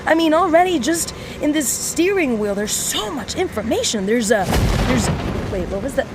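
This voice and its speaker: A woman playing an excitable young mechanic in an audio drama, theatrical, playful and prone to halting, rambling speeches. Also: high voice, heavy background noise. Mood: eager, rehearsing. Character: excitable young tinkerer mechanic fond of explosions, scheming and playful. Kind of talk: audio drama monologue addressed to aliens.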